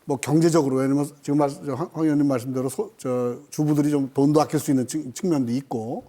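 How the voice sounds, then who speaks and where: Middle-aged male academic panellist, soft-edged mellow tone, rapid conversational delivery. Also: mid-range voice, steady tone. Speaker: professor, panel guest. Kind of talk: conversational commentary on a current affairs panel. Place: broadcast studio.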